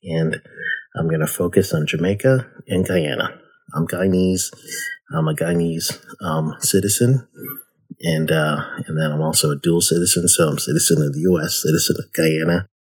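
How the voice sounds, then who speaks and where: Man, forties, low and husky, easygoing rambling podcast host. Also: fairly even intonation, normal speed, poor audio. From United States. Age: 40s. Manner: rambling, friendly, many fillers. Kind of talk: casual solo podcast talk.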